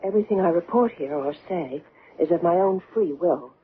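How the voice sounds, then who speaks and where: An actress playing an earnest, troubled woman under hypnosis in a radio drama, speaking haltingly. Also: lowish voice, lively intonation, husky. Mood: trance-like recall. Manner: hesitant, halting. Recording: noisy, tinny old radio broadcast.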